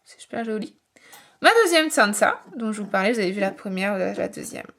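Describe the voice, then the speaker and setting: A young booktuber and author shows off her bookshelves in a casual vlog from a home room lined with them. Her mid-range voice is expressive, a bit bright, slightly fast, with vocal fry, and she chats and rambles with many fillers.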